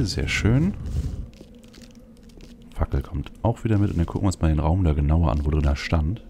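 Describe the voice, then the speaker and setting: Deep, creaky-voiced male let's player. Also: dark tone, slight background noise. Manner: thinks aloud, speaks as "we". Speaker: let's play host. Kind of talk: casual video game commentary. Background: faint game ambience.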